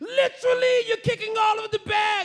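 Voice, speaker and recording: Shouting in an angry tone, a man does a put-on character voice with a British accent at an extremely high pitch. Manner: angry, yelling.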